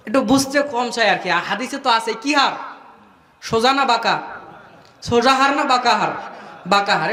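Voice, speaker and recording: A man preaching a waz sermon, calling on the crowd to answer and breaking into sung verses. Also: extremely high pitch. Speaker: Islamic preacher. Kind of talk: Bengali waz sermon at an outdoor gathering. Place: tent gathering of a crowd. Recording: echoey loudspeaker sound from far off.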